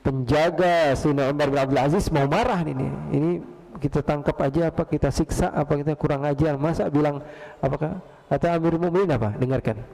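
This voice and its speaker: Gravelly slightly high-voiced man telling stories in a sermon, asks the crowd stuff, big hall echo. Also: quick pace. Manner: lively storyteller acting out quoted voices, asking the audience questions. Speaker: preacher. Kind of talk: sermon storytelling. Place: large mosque hall. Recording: long hall reverb.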